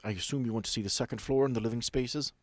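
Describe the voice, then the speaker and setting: A man's voice: medium pitch, rapid-fire, dry recording, voice pushed up, natural voice. A man playing a stern, curt female head nurse of a sanatorium in a tabletop horror game, speaking with clipped authority. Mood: curt, haughty.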